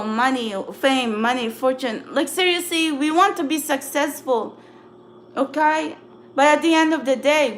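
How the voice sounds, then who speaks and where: High-voiced woman, emphatic livestream monologue. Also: slight background noise. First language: Filipino. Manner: emphatic, repeats "okay?" for emphasis. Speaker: tarot reader livestreamer. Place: apartment at home.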